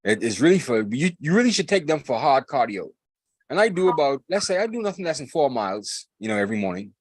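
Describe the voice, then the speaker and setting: A man in his forties talks fast, hosting a podcast with a rambling, excitable energy. He repeats himself, laughs a lot and never slows down. His voice sounds close and dry, with no room around it. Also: medium pitch, no room sound. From Bahamas. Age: 40s. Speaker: podcast host. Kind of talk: casual chat.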